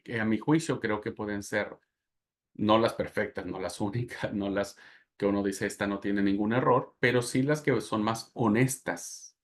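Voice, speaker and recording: A man from Mexico with a Mexican Spanish accent, teaching a Bible class and telling anecdotes in a lively lecture manner. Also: on the low side. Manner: animated storytelling with laughs and asides.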